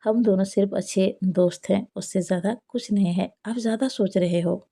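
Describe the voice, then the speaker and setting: A woman voicing a gentle young woman who coaxes and reassures, read as a storybook figure. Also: medium pitch, steady tone, moderate pace, vocal fry, slightly rough. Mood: reassuring. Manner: soft, coaxing. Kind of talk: storybook narration.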